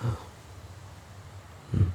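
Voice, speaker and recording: A man playing a gentle, puzzled forest demon in an audio roleplay, speaking haltingly and formally in a breathy, gravelly half-whisper. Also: dull audio, a little hiss or hum. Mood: hesitant, puzzled. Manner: halting, formal, literal-minded speech. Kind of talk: audio roleplay, slow character acting.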